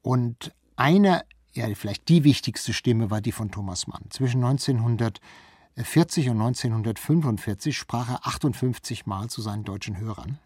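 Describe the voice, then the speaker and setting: Husky man explaining as a studio guest. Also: mid-range voice, expressive, moderate pace, a little mellow, no room sound. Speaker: author and former radio culture chief, interview guest. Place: radio studio.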